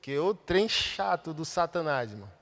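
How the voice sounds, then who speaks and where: A Brazilian Portuguese-accented man preaching a sermon as a pastor, colloquial and impassioned, with sudden loud outbursts. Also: on the high side, very animated, moderate pace, big-room sound.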